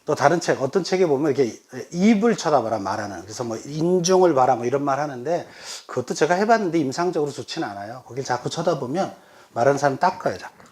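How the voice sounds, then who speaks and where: A man's voice: medium pitch, quick pace, a little hiss or hum. A middle-aged man, a pastor, giving a workshop lecture on coaching and often acting out example conversations. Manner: animated, acts out quoted voices of children and elders. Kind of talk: lively lecture with acted example dialogues.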